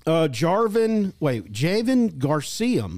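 A man's voice: on the high side, very animated, darkish tone, no echo. A man co-hosting a casual podcast, stumbling through listener messages and joking that he can't read. His voice rises and falls a lot as he goes. The sound is dry and close. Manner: reads haltingly, jokes about being unable to read. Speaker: podcast co-host. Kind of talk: casual chat reading listener comments.

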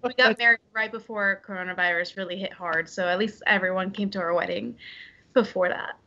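A woman's voice: medium pitch, steady tone, brisk, bright, forceful tone. Chatty bubbly woman guest, says like a lot, kinda muffled dull audio. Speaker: interview guest. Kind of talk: casual interview chat.

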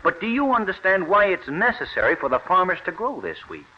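A man's voice: sits high, big pitch swings, fairly quick. An actor playing an earnest, persuasive wheat farmer pleading his case in an old radio drama. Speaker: plant explorer pitching new wheat. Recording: dull lo-fi old radio recording.

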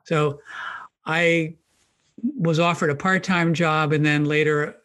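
Man, 60s, from Maryland, scholarly podcast guest; slightly high voice, unhurried, thinking aloud. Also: little pitch movement, a bit bright. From Maryland, United States. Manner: thoughtful, measured, with frequent restarts and ums. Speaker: guest, New Testament professor. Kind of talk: conversational podcast interview.

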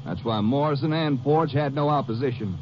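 An actor playing an earnest, excitable lawman sidekick in a 1950s western radio drama. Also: medium pitch, a little fast, natural voice. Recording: muffled, noisy 1950s radio recording.

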